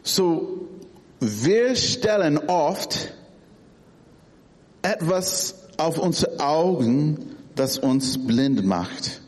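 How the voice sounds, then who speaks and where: A middle-aged male preacher delivers a sermon at a slow, deliberate pace, his voice sitting a little high. He halts often and repeats words while searching for the right one. A long reverb from a large hall trails after each phrase. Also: expressive, a little mellow.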